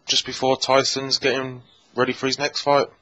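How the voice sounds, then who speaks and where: A man's voice: mid-range voice, monotone, normal speed, a bit bright. A man hosting a casual podcast interview, with a tentative, meandering way of phrasing things. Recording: dull lo-fi call audio.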